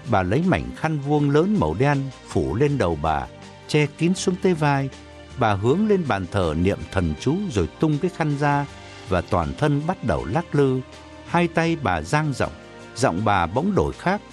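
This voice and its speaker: Lively expressive male storyteller. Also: medium pitch, measured pace, faint music behind. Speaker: narrator. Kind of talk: audiobook narration.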